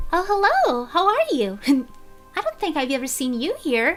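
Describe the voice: A female-sounding, put-on character voice, soft-spoken and extremely high, swings very widely in pitch at a moderate pace. Clear music plays in the background.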